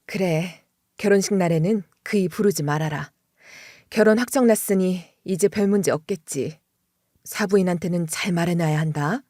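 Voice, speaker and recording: A woman voicing a gentle, weary middle-aged mother who speaks softly and with resignation. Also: lowish voice, moderate pace, no echo, clean studio sound, voice pushed down, lightly acted. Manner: soft, resigned.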